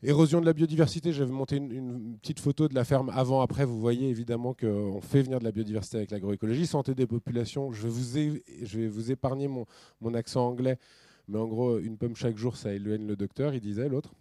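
A middle-aged man from France giving a talk with slides, casual and animated, with ironic asides and many restarts. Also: mid-range voice, fast talker, dry recording. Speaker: speaker at a business talk.

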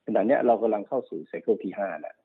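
A man working as a stock market analyst, explaining market cycles quickly and repeating himself, often checking that the listener follows. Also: on the low side, gravelly. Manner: fast, repetitive explaining, often checks understanding. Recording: narrow phone-like sound.

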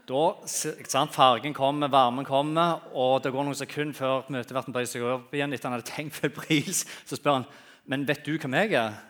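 A man preaching a sermon in a church, telling humorous stories in an animated way and swinging between loud and quiet. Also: medium pitch, hardly any pauses. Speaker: guest preacher.

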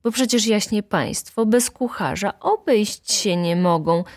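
A woman's voice: mid-range voice, unhurried, no echo, clean studio sound, lightly acted. Woman doing a bossy stuck-up male servant, snooty and commanding, audiobook style. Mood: haughty. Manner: haughty, commanding. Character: insolent pompous male valet, bossy.

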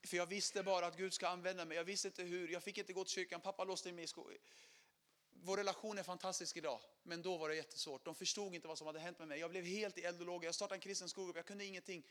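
A middle-aged man with a high-pitched voice gives his conversion story as a sermon testimony. He is animated, acts out quotes, and swings between loud and hushed.

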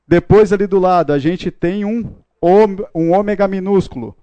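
A man's voice: high-pitched, moderate pace, dark tone, smooth, dry recording, dull audio. A man teaching a Bible class, joking and playful with his students. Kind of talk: classroom lecture. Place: classroom with a live audience.

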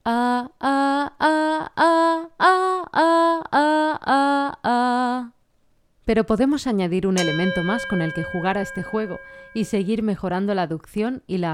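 Smooth-voiced woman teaching singing. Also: medium pitch, a little mellow. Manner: clear, patient explaining with demonstrations. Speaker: vocal coach. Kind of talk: singing lesson with sung vocal examples.

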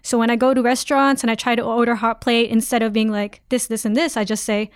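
A woman's voice: fairly high pitch, quick pace, clear, resonant tone, no room sound, studio quality. A woman from Canada, a reporter, chatting playfully on a podcast and reading narration. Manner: animated, playful storyteller. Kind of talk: casual chat and scripted narration.

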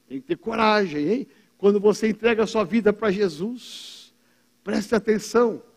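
A male pastor with a very high voice delivers an emphatic sermon in church. He speaks slowly and deliberately into a microphone, stopping often to call for an amen from the congregation. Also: a little mellow. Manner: emphatic preaching, calls for amens. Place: church service.

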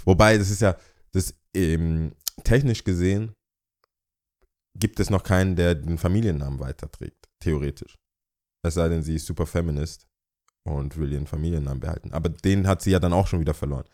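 A man's voice: low-pitched, fairly even intonation, brisk, warm tone. A young man co-hosting a podcast in casual chat, playful and dropping English slang into his talk. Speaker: podcast co-host.

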